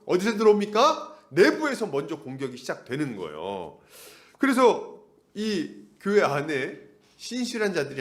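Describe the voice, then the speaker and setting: A male pastor preaching an expository sermon, throwing rhetorical questions at the congregation and acting out the voices he quotes. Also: on the high side.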